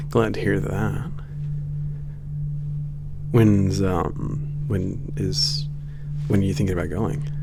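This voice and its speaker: Low gravelly man voicing a friendly werewolf coworker. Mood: warm, casual. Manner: hesitant, rambling, casual joking. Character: friendly, teasing male werewolf coworker on a spaceport. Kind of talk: ASMR roleplay, casual one-sided conversation. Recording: loud steady background hum.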